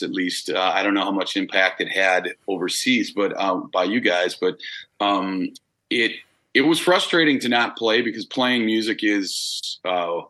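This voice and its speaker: A rock singer answering interview questions in a relaxed, rambling way, with a big-sounding voice and plenty of fillers. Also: male voice, lowish voice, poor audio.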